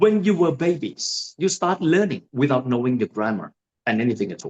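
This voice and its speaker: In a strong Thai accent, a man speaks with very wide pitch swings, the sound dry and close with no echo. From Thailand, Bangkok. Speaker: career event speaker. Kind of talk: interview. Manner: halting.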